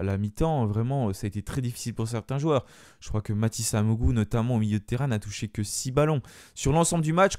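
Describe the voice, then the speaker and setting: A man's voice: medium pitch, a little mellow, dry recording. A man giving a solo spoken debrief of a football match, hesitant, with many fillers and restarts, into a close microphone. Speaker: fan channel host.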